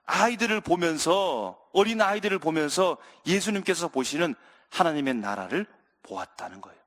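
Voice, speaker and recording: Animated high-voiced male preacher. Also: moderate pace. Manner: animated, asks the congregation questions and acts out scenes. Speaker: pastor. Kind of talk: sermon. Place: church sanctuary. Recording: reverberant church sanctuary.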